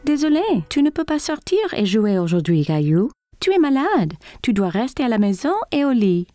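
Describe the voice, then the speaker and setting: High-voiced, lively, patient cartoon mom. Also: female voice, moderate pace, dry recording, clean studio sound, faint music behind. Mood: gently firm. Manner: gentle, reassuring, expressive. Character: caring, patient young mother of small boy. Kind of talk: children's cartoon dub.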